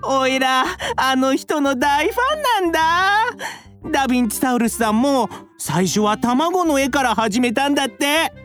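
A woman's voice: high-pitched, very animated, a little slow, a bit bright, faint music behind, heavily acted. A woman voicing a mischievous young male dinosaur egg thief, boyish and eager, stammering as he talks. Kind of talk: children's audio drama acting.

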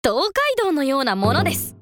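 A woman's voice: high voice, wildly swooping pitch, fairly bright tone, no echo, exaggerated voice. A cheeky clever boy monk. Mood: polite. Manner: polite, quick-witted, cheerful. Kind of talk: children's folk tale audio drama.

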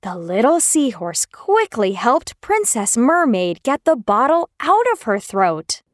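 Expressive, high-voiced woman storyteller. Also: no echo, clean studio sound. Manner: expressive, exclamatory, slow storytelling. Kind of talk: children's story narration.

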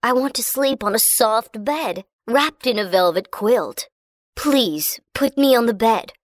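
A woman's voice: on the high side, animated, a little slow, no echo, studio quality. A woman voicing a polite but demanding male frog in a storybook reading.

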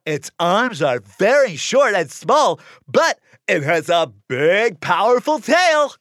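A man's voice: high-pitched, big pitch swings, slow pace, fairly bright tone, dry recording, studio quality, exaggerated voice. An actor playing a plump, jolly male museum curator with a red nose who giggles and sneezes, in a children's cartoon. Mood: chatty.

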